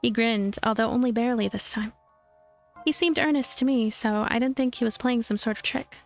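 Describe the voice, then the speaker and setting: A woman with a high-pitched voice narrates a visual novel expressively. Soft game music runs underneath her reading. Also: a little fast. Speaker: let's play narrator.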